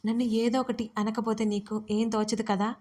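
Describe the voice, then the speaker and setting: A woman's voice: a little high, flat delivery, normal speed, mellow, close to an everyday voice. Woman reading as a sassy teenage girl. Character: pert teenage girl, the younger sister.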